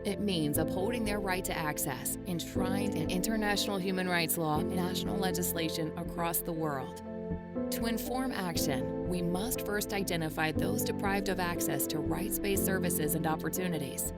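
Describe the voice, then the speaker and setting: A woman giving measured, formal scripted narration for an explainer video. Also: on the low side. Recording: narration over loud music. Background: music.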